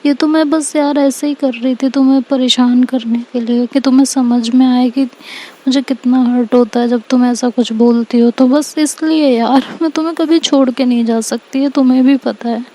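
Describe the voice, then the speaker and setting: A woman doing a young woman calmly comforting. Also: high-pitched, normal speed. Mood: reassuring. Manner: reassuring, firm, tender. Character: young woman soothing her partner.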